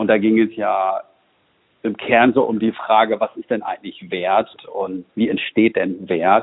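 Fairly even in intonation and fairly low in pitch, a man speaks at a fairly slow pace. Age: 40s. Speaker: maritime industry consultant. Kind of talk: interview. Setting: phone call. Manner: halting, many fillers.

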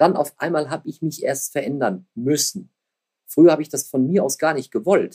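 Dry and close with no echo, a man's voice has a fairly high pitch, a dark, mellow tone, ordinary pitch variation and a moderate pace. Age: 50s. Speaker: mechanical engineering technician. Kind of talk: casual chat.

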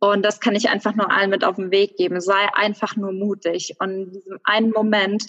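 A woman speaks at a moderate pace in an ordinary speaking voice, medium in pitch, and the sound is dry and close with no echo. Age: 20s. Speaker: animal welfare activist. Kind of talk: interview.

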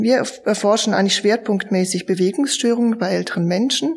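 A woman speaks in a plain, everyday voice. Her pitch varies in an ordinary way. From Switzerland. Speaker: neurology researcher. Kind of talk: casual chat.

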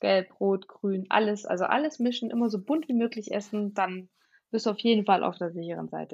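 In a plain, everyday voice, a woman talks at a fairly quick pace and a medium pitch, with ordinary pitch variation. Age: 30s. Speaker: vegan nutrition course instructor. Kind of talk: interview.

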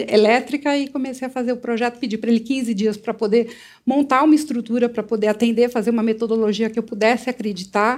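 A woman with a plain, everyday voice speaks at a fairly quick pace. Her pitch sits fairly high, and her intonation stays fairly even. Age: 50s. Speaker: psychologist and entrepreneur. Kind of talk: stage talk. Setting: stage with audience.

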